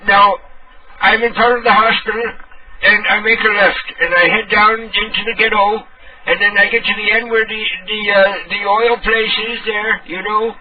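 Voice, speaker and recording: A man's voice: high-pitched, flat delivery, normal speed, close to an everyday voice. Man playing a befuddled, stammering patient on a tinny phone. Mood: confused, eager. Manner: hesitant, stammering, repetitive. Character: befuddled, childlike male hospital patient ordering food. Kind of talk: prank phone call. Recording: tinny narrow phone line, distant.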